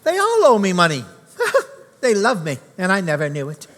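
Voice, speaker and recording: A man's voice: high-pitched, huge pitch swings, normal speed, a bit bright, exaggerated voice. A man playing the old miser Scrooge, live on stage in a musical. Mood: amazed. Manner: pleading, then wondering and gleeful. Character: old miserly man, softening into a joyful one. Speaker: stage actor. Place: theatre stage. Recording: hall reverb with pit music.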